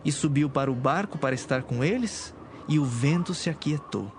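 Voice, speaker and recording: A man's voice: a little high, expressive, normal speed, slight background noise. A man giving solemn scripted narration as the narrator of a dramatized Bible. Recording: music behind.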